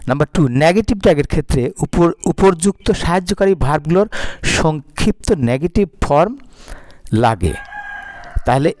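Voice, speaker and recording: Bangladeshi guy teaching grammar, voice a bit high, reads lists out slowly, dry close sound. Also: lively intonation, darkish tone, dry recording. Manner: repetitive, drills word lists aloud. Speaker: English teacher. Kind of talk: grammar lesson for students.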